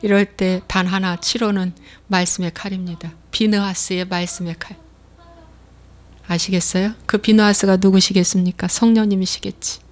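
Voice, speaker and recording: A woman's voice: medium pitch, little pitch movement, normal speed. A woman pastor preaching a sermon with emphasis, repeating key phrases and acting out the voices of complaining believers.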